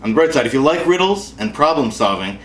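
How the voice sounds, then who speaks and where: A man's voice: a little high, big pitch swings, fast talker, a bit bright. An American man hosting a comedy show with a casual, wry, self-deprecating and sarcastic monologue. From Wisconsin, United States. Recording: echoey room with clear background noise.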